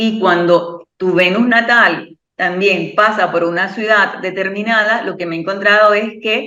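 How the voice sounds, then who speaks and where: With a Venezuelan accent, a woman speaks fairly slowly in a bright, sharp, medium-pitched voice with fairly even intonation. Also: hardly any pauses. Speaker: astrologer. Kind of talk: podcast interview.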